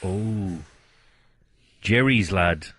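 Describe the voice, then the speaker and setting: An Irish man with a bassy voice hosting a casual comedy podcast, joking and laughing often. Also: extremely slow, fairly bright tone, a little hiss or hum. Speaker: podcast host. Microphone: close studio mic.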